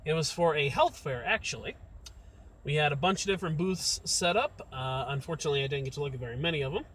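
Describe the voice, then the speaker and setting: A man's voice: fairly high pitch, quick pace. A young man chatting casually to his live-stream viewers from inside a car, rambling in a friendly way. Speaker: massage therapist vlogger. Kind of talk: casual live-stream chat while driving. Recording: loud road and car noise.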